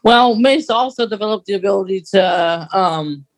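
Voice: mid-range voice, normal speed. A podcast co-host in a casual, conversational fan discussion.

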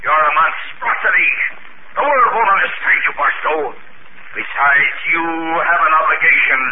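A man's voice: a little high, animated, normal speed, natural voice. A man playing an arrogant mad scientist. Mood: haughty. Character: scheming male scientist, arrogant. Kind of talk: 1950s radio drama acting. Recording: tinny, very hissy old radio recording.

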